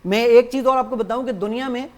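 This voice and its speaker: A man appearing as a guest on a TV show, demonstrating his app in lively detail and acting out both sides of his exchanges with it. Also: extremely high pitch. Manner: animated explainer who acts out exchanges with the app.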